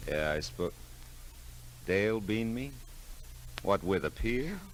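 A man's voice: fairly low pitch, animated, slow, poor audio. A man playing a world-weary private eye, wry and laconic, in a 1940s radio noir drama. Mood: groggy, dry. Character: hard-boiled, world-weary male private eye narrating his case. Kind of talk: 1940s radio noir acting, first-person narration. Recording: old radio drama recording with music.

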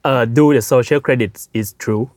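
A man's voice: medium pitch, very slow, a little mellow, no echo. A man hosting a casual bilingual podcast, asking questions and reacting in short interjections. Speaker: podcast host.

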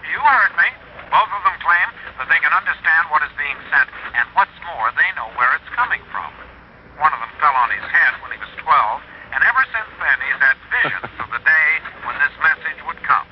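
A man playing an excited studio colleague. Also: a little high, fairly quick, natural voice. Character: excited male radio studio colleague on the phone. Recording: dull old radio recording with hiss.

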